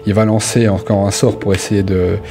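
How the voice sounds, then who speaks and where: Low-voiced man running a tabletop game. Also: little pitch movement, moderate pace, warm tone, faint music behind. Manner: vivid descriptive storytelling with casual asides. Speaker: game master. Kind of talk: improvised narration of a tabletop role-playing game.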